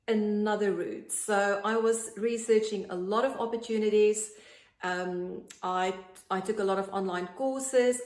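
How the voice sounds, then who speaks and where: A South African woman in her late forties who speaks in an earnest, chatty way and often pauses on ums. She sits at a middle pitch for a woman. The room around her has a clear echo. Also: a little mellow. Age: 40s. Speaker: online business promoter. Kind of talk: direct-to-camera pitch.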